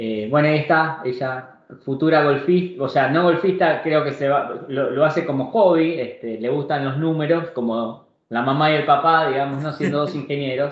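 A man's plain, everyday voice, fairly high in pitch, with ordinary pitch variation, a moderate pace and hardly any pauses. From Argentina, Buenos Aires. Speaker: company director. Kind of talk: casual interview.

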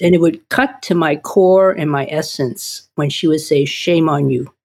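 Speaking in a Boston accent, a woman has a very deep, low pitch. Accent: Boston American. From Boston, US. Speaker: pastor. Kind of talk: casual panel conversation.

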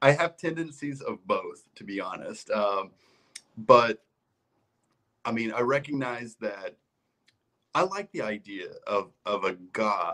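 In an American accent, a man speaks at a very slow pace, leaving long, frequent pauses. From US South, Kentucky. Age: 30s. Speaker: travel writer. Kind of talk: casual chat.

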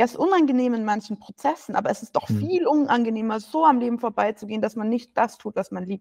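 A woman talks at a very fast pace with hardly any pauses, her fairly high voice showing ordinary pitch variation. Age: 20s. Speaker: coach working on psychological processes. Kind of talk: casual chat.

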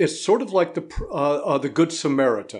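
In an American accent, a man speaks at a fairly high pitch with an ordinary speaking voice. The background is quiet. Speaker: philosophy professor. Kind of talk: interview.

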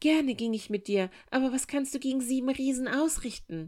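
On a very clean recording with a silent background, a woman does a put-on character voice at a high pitch, with ordinary pitch variation and a moderate pace. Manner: sad.

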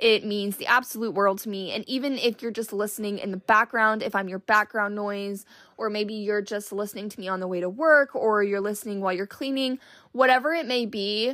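Recorded very cleanly against a silent background, a woman speaks at a medium pitch and a moderate pace. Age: 20s. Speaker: podcast host. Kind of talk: casual chat.

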